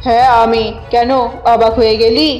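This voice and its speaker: A woman's voice: on the high side, level tone, normal speed, a little mellow, faint music behind, lightly acted. A woman voicing an indignant, scolding tigress in a cartoon, delivered dramatically. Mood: angry, triumphant. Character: indignant tigress guarding her chickens. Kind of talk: cartoon character voice.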